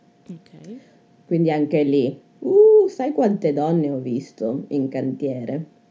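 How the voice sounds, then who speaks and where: Noticeable background noise beneath a very slow delivery with ordinary pitch variation. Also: woman, very deep, low pitch for a woman. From northeast Italy, Trieste/Monfalcone. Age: 20s. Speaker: architect. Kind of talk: interview conversation.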